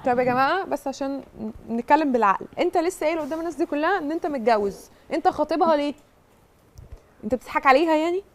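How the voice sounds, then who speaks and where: Quick, high-voiced Egyptian host. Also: female voice. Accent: Egyptian Arabic. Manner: probing, addresses the audience, urges calm. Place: TV studio.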